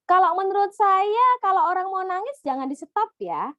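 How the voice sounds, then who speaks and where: Animated high-voiced woman psychologist. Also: a little slow, dry recording, dull audio. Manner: lively, acts out the voices of children and clients. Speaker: psychologist answering audience questions. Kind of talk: online Q&A talk. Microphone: video call.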